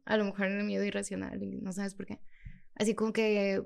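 A woman with a Mexican accent telling a personal story in a casual, animated way as a podcast guest, laughing often. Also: medium pitch, a little fast, gravelly, smooth. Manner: animated, laughs often, acts out her own past lines.

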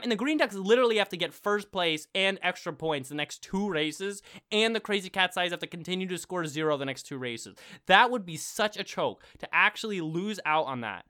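A man's voice: sits high, sharp tone. A young man co-hosting a podcast, reading listener emails aloud and rambling with lots of fillers, getting worked up about marble racing. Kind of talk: casual chat.

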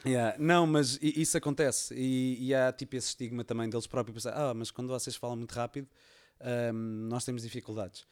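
A man in his thirties with a European Portuguese accent, talking in a relaxed, unhurried way. He tells his stories as a podcast guest, often pausing on fillers and starting sentences over. His voice sits at a medium pitch. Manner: relaxed storytelling, many fillers and restarts. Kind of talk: casual conversation.

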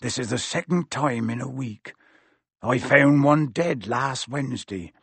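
A man voicing a big gruff groundskeeper, fierce but kindly, who growls in rustic dialect in an audiobook story. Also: mid-range voice, a little slow, dry recording. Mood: grave, instructing.

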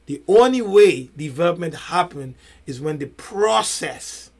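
A man's voice: on the high side, lively intonation, gravelly, a little mellow. A man co-hosting a casual podcast discussion, making emphatic points with rhetorical questions and long analogies. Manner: fills pauses with many "you know"s. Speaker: podcast co-host.

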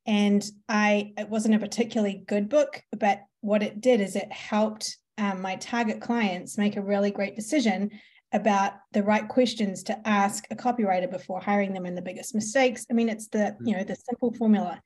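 Her mid-range voice is steady and darkish as this New Zealand-accented marketing entrepreneur, guesting on a podcast, tells her business story at a normal pace. The storytelling is chatty, full of ums and laughter.

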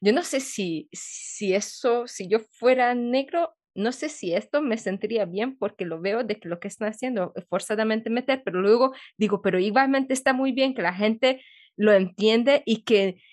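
A woman hosting a podcast interview, thinking aloud in a halting way with many restarts. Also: fairly high pitch, no echo, studio quality. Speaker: podcast host. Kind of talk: casual interview chat.

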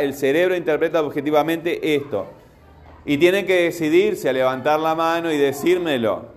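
A man teaching a class, patiently questioning his students as he goes. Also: fairly high pitch. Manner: patient, asks the class repeatedly.

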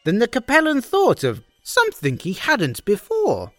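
A woman host narrating a rhyming holiday fan story in an expressive, sing-song, dramatic reading. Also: fairly high pitch, moderate pace, no echo, faint music behind.

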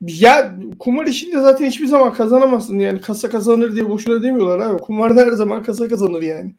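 A woman's voice: a little high, quick pace, darkish tone. A woman co-hosting a casual talk, giving informal, sardonic commentary and explaining her points at length. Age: adult past university years. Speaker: co-host.

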